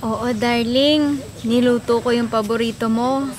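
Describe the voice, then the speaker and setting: A woman's voice: on the high side, fairly even intonation, measured pace, a little mellow, slight background noise, lightly acted. A woman acting as a sweet, doting wife in a comedy skit, coaxing and calling her husband darling. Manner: sweet and coaxing, calls him darling constantly. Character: sweet doting young wife, suddenly extra kind. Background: background music.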